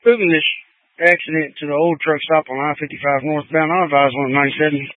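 Officer talking over a two-way radio. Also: male voice, fairly high pitch, fairly even intonation, fast, no echo. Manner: terse radio codes, clipped and matter-of-fact. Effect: heard over a two-way radio. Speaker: highway patrol officer. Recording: tinny, dry two-way radio channel.

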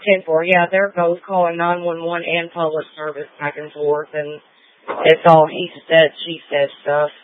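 A woman giving brisk, clipped dispatch calls over a walkie talkie. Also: low voice, flat delivery, no room sound. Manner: brisk, clipped call codes. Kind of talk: terse radio dispatch calls. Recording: tinny two-way radio, dry.

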